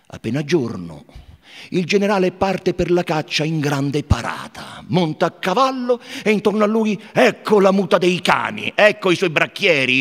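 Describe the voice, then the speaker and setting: A male actor giving a theatrical literary reading, dramatic and hushed in its grim passages. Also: on the high side. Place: theatre stage before an audience. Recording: long hall reverb.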